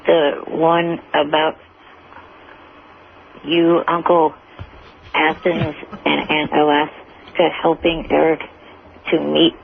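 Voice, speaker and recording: A man speaking as a guest writer in a halting, flat way with a gravelly creak in his voice. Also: a little high. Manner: slow, halting, flat delivery. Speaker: show guest, amateur writer. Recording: tinny phone-like line with hiss.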